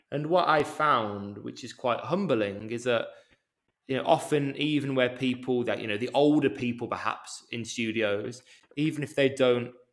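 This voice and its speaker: A man with a British accent speaks at medium pitch. His pace is fairly slow. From England, Birmingham. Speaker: yoga teacher. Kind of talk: interview conversation. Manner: halting, many false starts.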